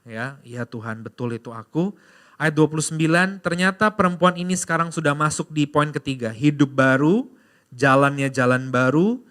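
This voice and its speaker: A pastor preaching a sermon in a church, telling a personal story and calling out to the congregation, moving between loud emphatic stretches and quiet confessional ones. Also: male voice, fairly high pitch, moderate pace. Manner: lively storytelling, addressing the congregation as "Saudara". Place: church sanctuary.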